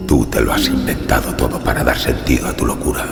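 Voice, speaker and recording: An actor playing the bitter, menacing ghost of a tortured husband in a horror audio drama, with a gravelly growl. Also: male voice, rumbling low, steady tone, fast. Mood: bitter, contemptuous. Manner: contemptuous, menacing. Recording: cavernous reverb, loud eerie music behind.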